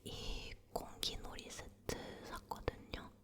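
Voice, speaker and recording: Close-miked and whispering, a woman doing ASMR tells personal stories slowly and quietly, with gentle repetition of her words.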